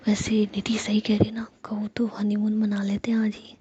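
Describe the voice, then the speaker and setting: A woman's voice: medium pitch, monotone, normal speed, dark tone, lightly acted. A woman whispering as Ruhi, a fond scolding girlfriend. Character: affectionate scolding young woman. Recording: dull lo-fi with faint hiss.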